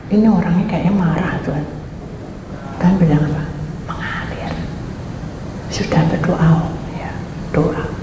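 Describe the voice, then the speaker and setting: Woman pastor preaching in echoey hall. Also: lowish voice. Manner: lively, acts out voices in her story. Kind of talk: sermon with storytelling. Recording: echoey hall, faint background noise.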